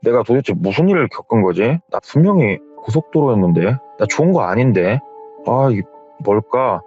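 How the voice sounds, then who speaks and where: A man's voice: mid-range voice, expressive, moderate pace, a little mellow, husky. A man voicing a bewildered young employee who stammers politely, in a slightly dull recording with faint music behind. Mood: puzzled. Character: dazed young male employee, nervous and deferential.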